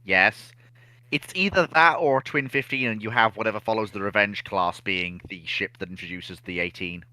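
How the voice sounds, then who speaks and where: A man in a casual history chat, explaining things in an animated, opinionated way. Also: lowish voice, moderate pace, no echo, rough recording. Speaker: naval history discussion panelist.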